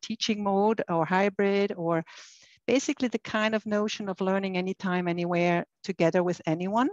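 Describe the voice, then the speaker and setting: Speaking with a Swiss accent at a medium pitch and a moderate pace, a woman keeps her intonation fairly even, in a dry sound with no echo against a quiet background. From Switzerland. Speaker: university cartography lecturer. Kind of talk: panel presentation. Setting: video call. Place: home room. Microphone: video call.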